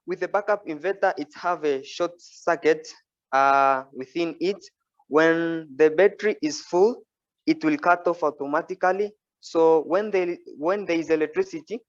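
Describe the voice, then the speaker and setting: A young man from Tanzania presents and demonstrates his own project in a workshop, speaking plainly with frequent fillers, recorded on a phone. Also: a little high. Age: young adult. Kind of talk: informal project presentation and demo. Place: workshop with wooden benches, indoors. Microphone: phone camera held at arm's length, wearing headphones. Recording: dull lo-fi phone audio.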